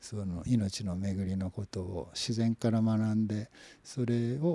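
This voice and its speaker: A man's fairly low-pitched, somewhat breathy voice with a dark, mellow tone and ordinary pitch variation, at a fairly slow pace, in a dry, close sound with no echo. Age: 60s. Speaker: university professor. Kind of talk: casual chat. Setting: studio in total darkness.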